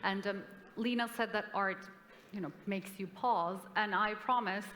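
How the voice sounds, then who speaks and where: A woman moderates a panel with effusive encouragement. Her mid-pitched voice rings through a large hall with a long reverb. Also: steady tone, a little slow, fairly bright tone. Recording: hall reverb, stage mic.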